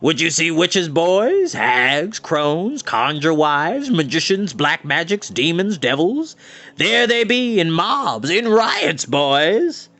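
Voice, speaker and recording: A man voicing a booming, theatrical old male spirit guide who shouts down from the sky in archaic phrases. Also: sing-song, takes it slowly, no room sound, heavily acted. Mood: rousing.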